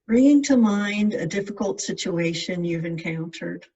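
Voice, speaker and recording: A meditation guide giving gentle, measured instructions in spaced-out phrases. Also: mid-range voice, lively intonation, husky. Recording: distant mic, dull lo-fi sound.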